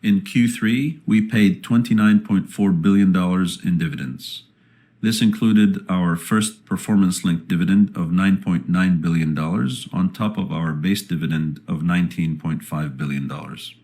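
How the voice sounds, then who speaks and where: A man speaking as a company executive, reading a scripted earnings presentation in a formal, measured manner. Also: sits low, fairly even intonation, warm tone.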